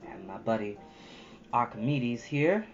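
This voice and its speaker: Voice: medium pitch, animated, unhurried, dull audio, soft background music. A storytime host speaking to children, moving between earnest, preachy casual asides and storybook reading, repeating points for emphasis.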